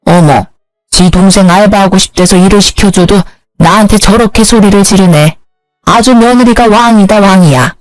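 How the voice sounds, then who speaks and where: A woman voicing a bossy, sharp-tongued older mother-in-law in a storybook narration. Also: mid-range voice, moderate pace, no room sound, faint music behind, natural voice, poor audio. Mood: scolding.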